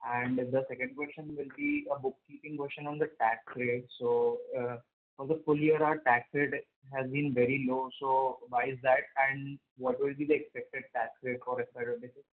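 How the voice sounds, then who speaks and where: A man's voice: mid-range voice, normal speed. A man calling in as an investor, asking polite, prepared questions on a conference call. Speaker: investor caller. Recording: tinny phone line.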